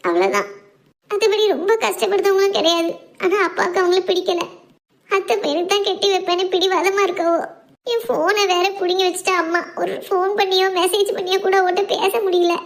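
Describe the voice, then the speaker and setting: A woman playing a tearful lovesick young woman, very high-pitched. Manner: tearful, pleading.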